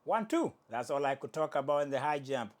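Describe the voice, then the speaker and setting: A man's voice: a little high, fairly quick. A man hosting a casual sports commentary show, with Swahili as his first language, joking and correcting himself as he talks. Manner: animated, jokey, self-correcting. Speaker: host.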